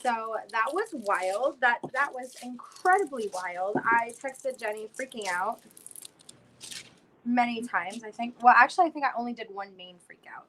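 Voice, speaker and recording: A woman's voice: on the high side, animated, normal speed, a bit bright, slight background noise, poor audio. Chatty young woman with a worn-out voice. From South Florida. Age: 20s. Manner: chatty, rambling with many fillers. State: lost her voice. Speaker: livestream host. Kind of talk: casual livestream chat.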